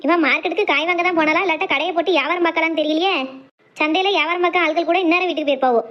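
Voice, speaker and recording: A woman acts out a cranky elderly cartoon mother-in-law with a southern Tamil Nadu accent. Her voice is high and she scolds extremely fast, full of sarcasm. The sound is a little dull. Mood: grumbling. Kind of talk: cartoon comedy drama dialogue.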